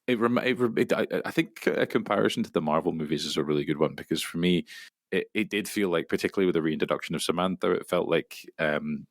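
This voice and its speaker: Male guest, very low register, halting and easygoing. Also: no echo, studio quality. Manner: hesitant, many fillers and restarts, chuckles. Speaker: voice actor guest. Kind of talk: casual interview chat.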